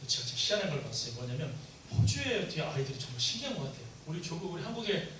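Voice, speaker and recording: A pastor with a rather high, very animated voice preaches very fast to a congregation, asking them call-and-response questions and acting out prayers in a raised voice. He is recorded from a distance in an echoey room with faint ambience and a noisy background.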